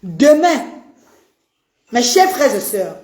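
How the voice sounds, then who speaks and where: A woman's voice: medium pitch, animated, normal speed, darkish tone, reverberant. A woman, an autism advocate talking on a live stream, effusively greeting viewers and pleading for shares.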